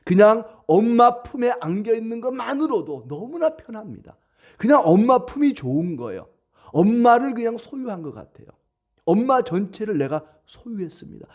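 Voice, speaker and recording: A man preaching a sermon as a pastor, animated, with acted quotes. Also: high-pitched, dull audio.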